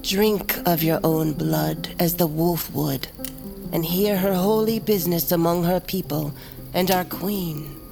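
Tribal shaman, slow ritual delivery, prophetic, fantasy audio drama with music up behind. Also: lowish voice, creaky. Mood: solemn, ritual. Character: solemn tribal shaman woman, prophesying in trance.

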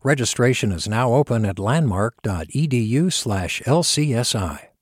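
A man reading a short sponsor announcement in a crisp, neutral tone. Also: medium pitch, expressive, moderate pace, dry recording, clean studio sound.

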